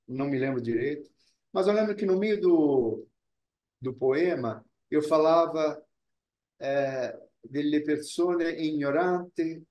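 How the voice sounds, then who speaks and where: A man being interviewed as an actor, talking earnestly and deliberately, often repeating words as he searches for them, and Italian was his first language. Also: on the high side, darkish tone, reverberant. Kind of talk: reflective interview talk.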